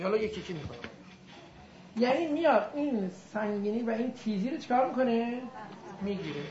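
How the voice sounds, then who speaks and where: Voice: medium pitch, lo-fi sound, slight background noise. A teacher giving a classroom lesson on Arabic grammar and pronunciation, demonstrating sounds aloud and quizzing the class.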